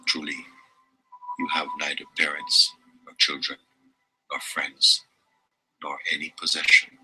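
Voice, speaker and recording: Very deep-voiced man, slow meditative reading. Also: monotone, over music, low-quality recording. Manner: measured, deliberate, with long pauses. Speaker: reader of spiritual teachings.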